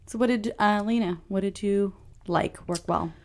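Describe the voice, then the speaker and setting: A woman's voice: mid-range voice, moderate pace. A woman co-hosting a movie podcast, talking thoughtfully and steering the conversation. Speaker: podcast co-host. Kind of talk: casual movie-review chat.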